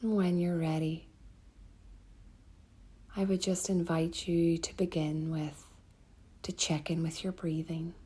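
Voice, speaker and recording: A woman yoga teacher leading a guided relaxation meditation in a soft, breathy, soothing manner with gentle pauses. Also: on the low side, little pitch movement.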